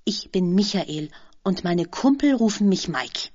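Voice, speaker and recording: A woman's voice: medium pitch, animated, unhurried, a little mellow, highs cut off. A woman voicing a cheerful young boy skateboarder who talks eagerly and uses youth slang, in a storybook reading.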